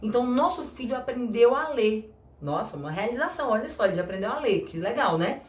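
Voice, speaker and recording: A woman teaching English grammar in a chatty, lively way, slowing down to read example sentences. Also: a little high, echoey room. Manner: chatty, lively, acts out little dialogues, slows for example sentences. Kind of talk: casual explanatory lesson.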